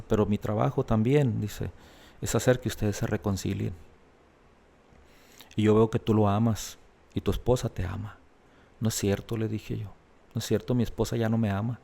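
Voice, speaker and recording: A man's voice: fairly low pitch, gravelly, warm tone. A man earnestly recounting a personal testimony in an interview, acting out the voices of the people he quotes. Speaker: guest telling his life story.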